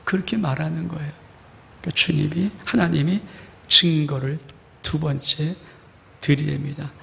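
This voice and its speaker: A man preaching a sermon in a fairly high, gravelly voice. He keeps asking the congregation questions and acts out God and the people as he goes. The sound carries a long reverb, as if it is coming from a church hall. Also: steady tone, moderate pace, bright, forceful tone. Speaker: pastor.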